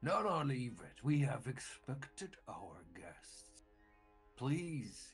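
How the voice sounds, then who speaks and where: A man puts on a character voice. He speaks at a very slow pace with faint music in the background. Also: medium pitch for a man. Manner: commanding, ominous.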